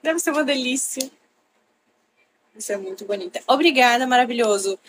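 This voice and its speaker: Young woman, upbeat livestream host, bright higher voice, greets viewers by name, from her bedroom. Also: expressive, a little fast, slight background noise. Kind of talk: casual live-stream chat. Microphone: laptop.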